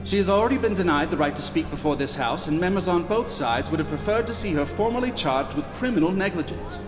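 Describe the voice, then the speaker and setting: Quick-talking, disapproving defence secretary. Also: male voice, high voice, expressive. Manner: formal, pointed. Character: disapproving male defence secretary, smoothly rebellious. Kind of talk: sci-fi audio drama parliamentary speech. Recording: echoey hall, music behind.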